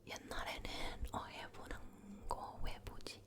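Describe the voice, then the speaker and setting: A woman leaning in to whisper close to the mic, telling personal stories in a hushed ASMR style, gently repeating words. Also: measured pace. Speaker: ASMR host.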